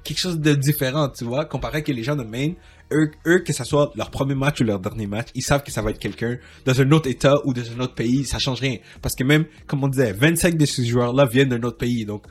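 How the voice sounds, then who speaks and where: A podcast host with a mid-range, brisk, slightly rough voice runs a casual soccer interview. He rambles, restarts his sentences often, leans on fillers, and laughs a lot.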